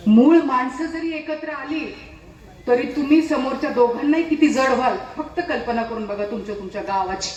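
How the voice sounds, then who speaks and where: A woman's voice: high-pitched, darkish tone, muffled recording. Woman, political rally speaker, impassioned pleading delivery, set back from the mic with echoey sound. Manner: pleading, repetitive rhetorical appeals. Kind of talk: impassioned public speech. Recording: echoey, distant from the mic, light noise.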